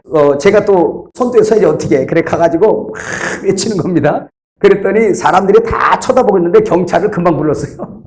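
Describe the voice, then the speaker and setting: Man, pastor, sermon, high-pitched voice, animated storytelling, acts out quoted voices. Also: roomy sound.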